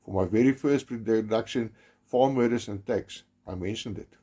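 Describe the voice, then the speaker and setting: A South African man with Afrikaans as his first language narrates a documentary in a solemn, measured way. His voice is dark, mellow and a little husky, and he leans hard on key words. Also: on the low side. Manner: grave, measured, with emphatic stresses and some restarts.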